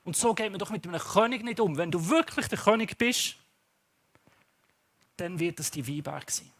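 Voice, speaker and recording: A man's voice: high-pitched, animated, normal speed, fairly bright tone, heavily acted. A man with a Swiss accent voicing a scheming queen who coaxes and reassures her sulking husband. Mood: coaxing. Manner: coaxing, reassuring.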